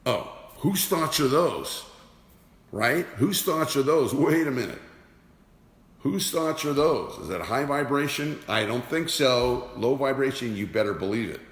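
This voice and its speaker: An energy awareness teacher speaks at a measured pace in an expressive, mid-range voice. His motivational teaching talk is emphatic and keeps circling back to rhetorical questions, and the sound is roomy with a long reverb.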